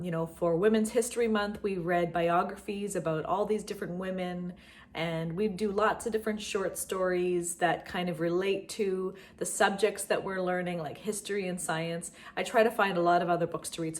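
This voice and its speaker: A middle-aged woman hosting a homeschool vlog, talking casually and directly to her viewers. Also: mid-range voice. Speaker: homeschool vlogger and channel host. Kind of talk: casual vlog talk to viewers about books.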